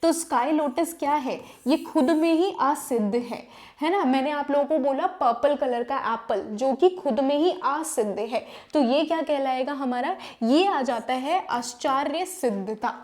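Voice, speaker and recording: A woman's voice: sits high, unhurried, darkish tone. A young woman teaching an exam-prep lesson, explaining with rhetorical questions and English terms mixed in. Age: young adult.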